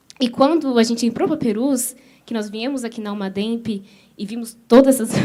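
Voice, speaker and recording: A woman with a Brazilian accent, high-pitched, with a dark, mellow tone. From Belgium. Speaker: missionary's daughter. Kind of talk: testimony.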